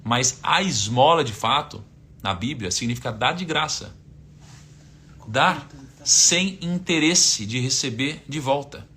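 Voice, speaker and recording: A Brazilian man in his thirties talks through lessons on faith and money in a relaxed, teacherly way. His voice sits a little high and sounds bright and forward. He leans on rhetorical questions and quoted verses to make his points. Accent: Brazilian Portuguese. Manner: conversational, asks rhetorical questions, quotes scripture. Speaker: finance speaker giving a faith-based talk. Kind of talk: casual teaching talk, live stream.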